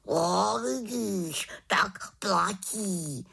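A woman voicing a wise, grumbling male raven in a storybook reading, with a croaking, lecturing manner. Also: mid-range voice, animated, pushed and bright, voice pushed up, exaggerated voice. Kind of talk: audiobook character reading.

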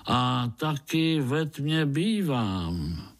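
A man voicing a good-natured, half-blind male mole with a Moravian dialect, speaking slowly and kindly. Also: mid-range voice, very animated, pitched above the performer's own voice. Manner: slow, kindly, drawling.

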